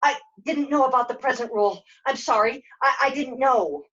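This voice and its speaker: A woman playing a flustered, forgetful but plucky young heroine in a puppet show, halting and excitable. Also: high voice, pitched above the performer's own voice. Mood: apologetic. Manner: halting, excitable, self-questioning. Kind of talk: puppet show character acting. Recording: dull, lo-fi sound.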